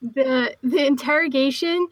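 A woman from Philadelphia with a clear Philly accent hosts a podcast in loose, rambling talk full of fillers. Her voice sits fairly high and sounds close and dry, with no room around it. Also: unhurried, no room sound, rough recording. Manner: chatty, rambling with many fillers. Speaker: podcast host. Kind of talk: casual podcast chat.

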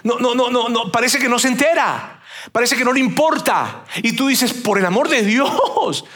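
A man preaching a sermon in a lively way, acting out the lines of the people in the story. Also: very high voice, moderate pace. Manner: lively, acts out the sailors' and captain's lines.

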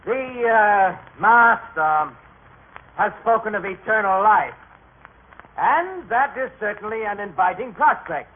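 Radio drama heckler: a clever, sneering lawyer, drawling slowly, on a tinny old recording. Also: male voice, high-pitched, animated, heavily acted. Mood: mocking. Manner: mocking, theatrical, drawn-out delivery. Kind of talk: vintage radio drama acting.

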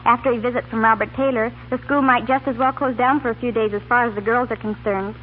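A woman's voice: on the high side, steady tone, fast. Young female student guest, scripted interview delivery, tinny 1930s radio recording with light noise. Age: young adult.

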